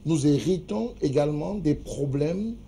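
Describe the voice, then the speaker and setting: Man, debate moderator, very dark mellow voice, slightly higher pitch. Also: expressive, a little slow, creaky, slight background noise. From Cameroon. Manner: firm, calls for order.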